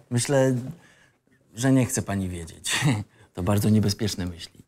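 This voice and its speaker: A man's voice: on the low side, takes it slowly, a little mellow, slight background noise. A man playing a sarcastic, rebellious young student. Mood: cheeky, defiant. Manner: insolent, ironic, reflective. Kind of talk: script reading for audio drama.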